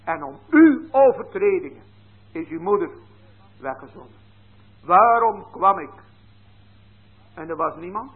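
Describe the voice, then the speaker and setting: Man, preacher, sermon, high voice, hushed then urgent, thin phone-like sound. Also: animated, measured pace, long pauses. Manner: swings from quiet to raised emphatic appeals. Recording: tinny phone-like church recording.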